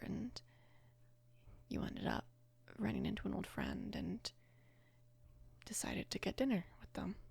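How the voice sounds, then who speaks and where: A roughly twenty-year-old woman plays a caring, apologetic mafia boss's daughter in an intimate ASMR roleplay, speaking softly and hesitantly. Her mid-range voice is exaggerated, breathy and whispery with heavy creak.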